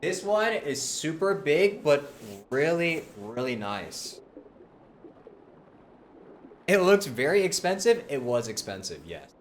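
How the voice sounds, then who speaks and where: A man chatting casually on a livestream in an informal, halting, conversational way. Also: on the high side, sing-song, slight background noise.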